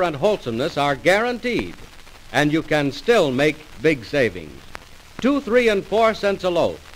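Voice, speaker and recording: A faintly hissy old radio transcription carries a male announcer reading a commercial. His voice sits a little high and moves with lively swings of pitch. He sells in a folksy, persuasive patter. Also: low-quality recording.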